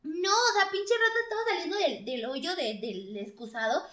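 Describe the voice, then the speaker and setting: Bright, high-pitched Mexican woman. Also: moderate pace. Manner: animated, laughing, exclamatory. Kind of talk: casual chat, storytelling. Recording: echoey room.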